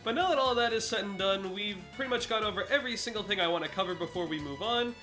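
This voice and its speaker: A man's voice: sits high, fast talker, bright, forceful tone, faint music behind. A congested man giving let's play commentary, explaining a game boss fight step by step to viewers. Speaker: gaming commentator.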